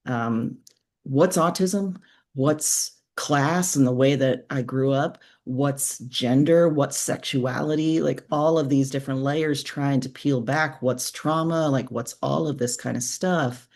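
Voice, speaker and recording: A woman talks as an interviewed author in relaxed conversational language. She reflects as she explains, stacking up examples and layering one point on the next. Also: very deep voice, slow.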